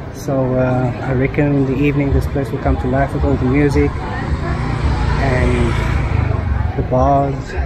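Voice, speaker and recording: Crowd noise fills the background as a man speaks at a fairly slow pace. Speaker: travel vlogger. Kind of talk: casual vlog chat. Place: street. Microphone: phone near.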